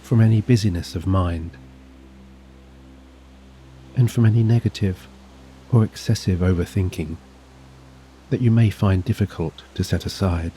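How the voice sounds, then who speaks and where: A man with a very low, mellow voice leads a guided sleep meditation. He speaks soothingly and gently, leaving long, measured pauses between phrases. A faint hum sits behind him. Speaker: hypnosis and meditation narrator. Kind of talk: guided sleep hypnosis, scripted narration. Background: soft relaxing music and gentle waves.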